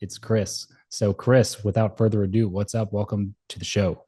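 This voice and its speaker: A man's voice: fairly low pitch, level tone, normal speed, mellow, breathy edge. A man hosting a podcast, asking questions in a casual, conversational interview style. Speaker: podcast host.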